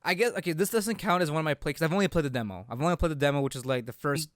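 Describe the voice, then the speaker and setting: A man's voice: fairly high pitch, rapid-fire, no room sound, clean studio sound. A man talking casually as co-host of a gaming discussion, a little hesitant and often repeating himself. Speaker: co-host of a video game discussion show. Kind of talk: casual chat.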